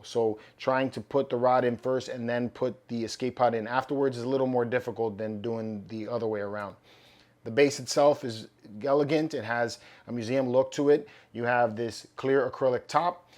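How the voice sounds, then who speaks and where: A man hosting a collectibles channel, chatting casually through an unboxing while his voice is going hoarse. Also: medium pitch, a little mellow. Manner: upbeat, loose and chatty with fillers. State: losing his voice, slightly hoarse.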